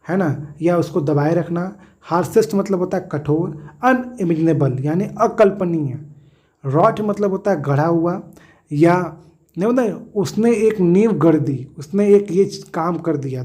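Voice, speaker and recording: A man's voice: fairly high pitch, dark tone. A man teaching a textbook lesson, explaining word meanings with everyday examples, often checking in with a tag question and correcting himself.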